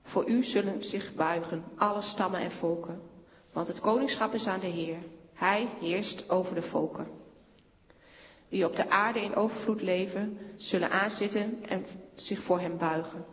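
A woman reading scripture aloud in church with a measured, solemn delivery. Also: mid-range voice, long reverb tail. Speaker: scripture reader.

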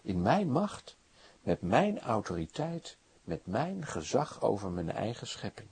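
A calm, authoritative male savior voiced by a preacher in his sermon speaks reassuringly and with quiet command. The voice is slow, mellow and slightly husky. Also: on the low side, exaggerated voice.

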